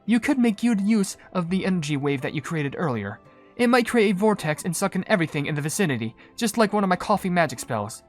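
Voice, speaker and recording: A woman acts out an earnest young perfumer from a cartoon game. She is polite, studious and humble, with a lowish voice that moves expressively over background music. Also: very animated, fast. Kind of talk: cartoon game dialogue read aloud.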